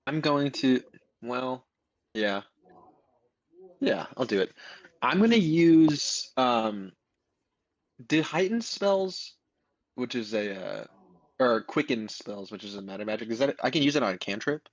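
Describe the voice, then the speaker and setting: A man's voice: medium pitch, sing-song, measured pace, pauses often, dry recording, lo-fi sound. A young man playing a tabletop game, hesitantly thinking through his options and the rules aloud. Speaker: player. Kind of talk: casual tabletop play.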